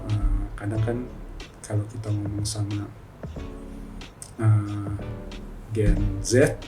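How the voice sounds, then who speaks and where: A man's voice: fairly low pitch, monotone, takes it slowly. Easygoing guy, lots of ums and little laughs, distant mic, music in the background. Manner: casual, hesitant, many fillers, laughs often. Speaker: guest, financial office employee. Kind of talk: relaxed conversational interview.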